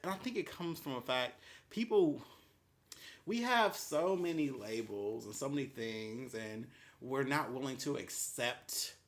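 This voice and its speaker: A podcast host in a casual chat, measured and thoughtful, often trailing off quietly. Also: mid-range voice, expressive.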